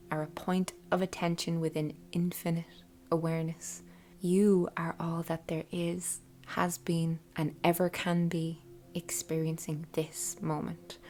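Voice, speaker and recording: A woman leading a guided meditation in a soft, breathy, half-whispered voice with an unhurried, soothing delivery. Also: lowish voice. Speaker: host guiding a meditation. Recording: soft music bed behind voice. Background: quiet background music.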